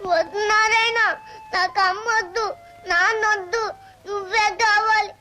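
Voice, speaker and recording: A man's voice: very high-pitched, fairly even intonation, measured pace, bright, forceful tone, slight background noise, heavily acted, rough recording. An actor playing a grieving orphan boy, pleading and crying through his words. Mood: tearful. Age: child. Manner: sobbing, pleading.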